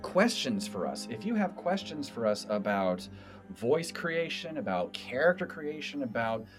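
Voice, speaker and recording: An American man from the East Coast, a podcast game master, chatting and explaining in an animated, expressive way. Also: medium pitch, measured pace, over music. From East Coast of the United States.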